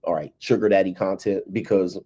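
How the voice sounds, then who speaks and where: A man of fifty talking in a loose, emphatic commentary style, leaning on "right?" and "okay" to drive each point home. His voice sits low and dark, with a husky edge. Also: fairly even intonation, a little fast. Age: 50s. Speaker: relationship and dating commentator. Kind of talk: casual livestream commentary.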